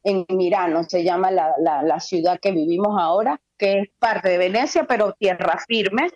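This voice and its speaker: A woman's voice: lowish voice, normal speed, darkish tone, no echo, highs cut off. A Venezuelan woman, a guest in a casual radio interview, talking with many fillers and restarts.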